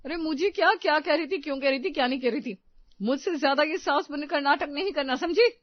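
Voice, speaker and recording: A woman voicing a sharp-tongued, bossy young wife in a cartoon story, talking in a scolding, snappy way. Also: sits high, quick pace, no room sound, close to an everyday voice. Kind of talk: cartoon voice acting. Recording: dull dry studio audio.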